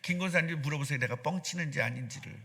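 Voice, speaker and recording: Middle-aged male pastor, sermon, bright forceful tone, quizzes the pews. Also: on the high side, fast, vocal fry. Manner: animated, asks the congregation questions. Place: church sanctuary.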